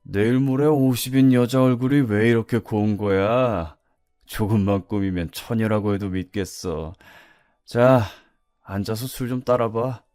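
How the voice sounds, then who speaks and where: A man's voice: lowish voice, measured pace, darkish tone, dry recording, clean studio sound, natural voice. A man voicing a pushy, coarse customer over sixty who harasses a waitress, in a read-aloud story. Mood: leering. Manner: leering, bullying, coarse.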